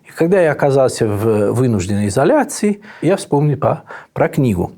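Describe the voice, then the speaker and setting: A man speaks in a husky, slightly breathy voice. He answers questions at an unhurried pace, pausing often to search for words. His pitch sits in the ordinary middle range for a man. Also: very animated, dark tone. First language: Italian. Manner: unhurried, thoughtful, frequent hesitations. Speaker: Orthodox priest and monk, interview guest. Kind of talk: reflective conversational answers.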